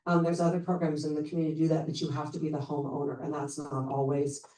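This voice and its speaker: Talking fast in a low-pitched, level and mellow voice, a woman introduces a charity's services to a community meeting. Her style is upbeat and casual, heavy with fillers, and the public meeting room's distant mic sounds roomy.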